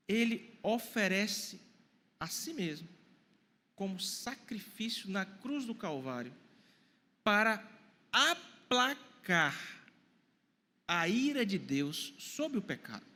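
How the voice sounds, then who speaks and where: A man in his forties preaching in a church. His high, lively voice leaps up and down as he poses questions to the congregation and answers them. A long reverb trails after his words. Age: 40s. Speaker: pastor. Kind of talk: sermon. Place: church hall.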